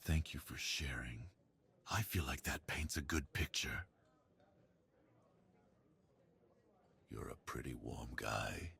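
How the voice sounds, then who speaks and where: A man voicing a brooding, lonely gay werewolf who longs for love, speaking intimately and confidingly in an ASMR roleplay, with a low, husky, breathy voice. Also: a little slow, pushed and bright, heavily acted. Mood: tender, hopeful.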